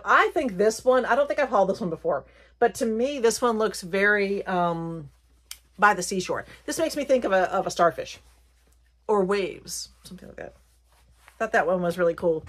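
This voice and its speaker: A woman's voice: medium pitch, a bit bright. A middle-aged woman with a light Southern American accent, chatting casually and in a rambling, self-correcting way as she presents a haul video. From Virginia, United States. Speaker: haul and craft vlogger.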